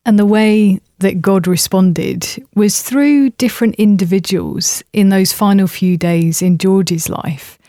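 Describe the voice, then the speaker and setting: Woman interviewer with a mellow voice. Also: mid-range voice, takes it slowly, hardly any pauses, no room sound, clean studio sound. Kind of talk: interview questions.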